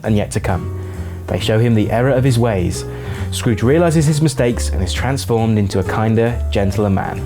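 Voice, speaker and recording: Low-voiced man narrating a video essay. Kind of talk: scripted narration.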